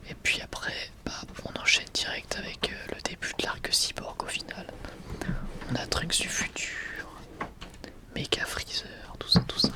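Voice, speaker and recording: A young adult man whispers in a casual, enthusiastic ASMR style, sometimes hesitating as he presents. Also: unhurried. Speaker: ASMR video creator presenting a manga collection.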